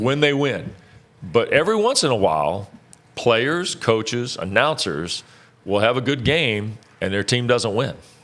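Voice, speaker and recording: Medium-pitched male voice, an unremarkable speaking voice, with lively intonation. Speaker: professional sports play-by-play broadcaster. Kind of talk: interview answer, storytelling.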